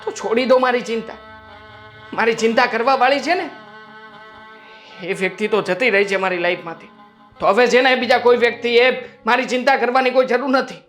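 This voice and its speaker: A man's voice: very high voice, a little fast, pauses often, a bit bright. A man playing a stubborn young man who insistently refuses an arranged marriage, speaking with exasperation, with faint music in the background. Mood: exasperated. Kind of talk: family drama acting.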